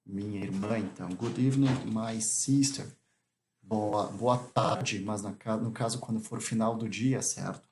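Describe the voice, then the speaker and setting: A man teaching English in Portuguese, explaining greetings and slowly repeating each example phrase. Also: lowish voice, level tone, noisy background.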